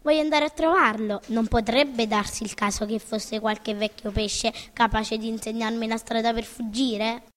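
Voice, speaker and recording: A woman's voice: on the high side, fairly even intonation, normal speed, hardly any pauses, in a large hall, lightly acted. A woman voicing a frightened, stubborn wooden puppet boy in a storybook reading, wailing and pleading. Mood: anxious.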